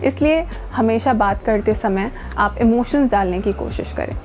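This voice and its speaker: A woman's voice: fairly high pitch, measured pace, a little mellow, soft background music. A woman with an Indian accent giving a conversational lesson as a voice coach, mixing in English and leaning on key words. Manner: code-switches into English, stresses key words. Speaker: voice training coach and presenter. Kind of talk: instructional talk to camera, conversational.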